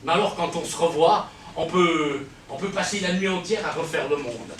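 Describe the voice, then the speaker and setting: A man telling a story in a lively, anecdotal way at a live storytelling event. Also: fairly high pitch, moderate pace, recorded from a distance, a little hiss or hum. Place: chalet. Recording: echoey room, heard from afar.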